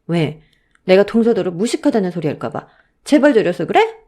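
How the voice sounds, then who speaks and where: A woman voicing an arrogant elder sister-in-law who talks down with sharp, condescending retorts. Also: fairly low pitch, big pitch swings, fairly quick. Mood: haughty.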